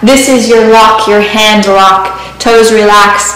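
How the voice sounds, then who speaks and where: A woman talks at a fairly slow pace with monotone, flat intonation, with audible room echo and light background noise. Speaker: yoga teacher. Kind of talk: guided class instruction. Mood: calm, soothing. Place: empty room. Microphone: camera far.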